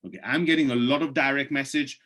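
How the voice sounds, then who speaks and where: A man hosts a video call through a computer mic, his voice going hoarse from many presentations as he loses it. He persuasively urges listeners on, reading their chat questions aloud and answering each in turn. His mid-range voice is steady, fairly bright, and fast.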